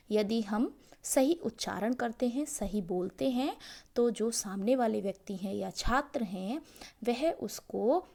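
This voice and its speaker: A woman's voice: a little high, creaky, darkish tone. A woman teacher giving a grammar lesson, asking each point back as a question and then answering it, stressing key words. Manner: slow and deliberate, stressing words. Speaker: school teacher.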